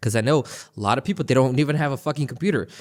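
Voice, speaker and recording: Speaking at a very fast pace with a Brazilian accent, a man keeps a medium pitch and ordinary pitch variation. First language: Portuguese. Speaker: YouTuber, reaction streamer. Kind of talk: casual reaction commentary. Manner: stutters, self-corrects often; animated.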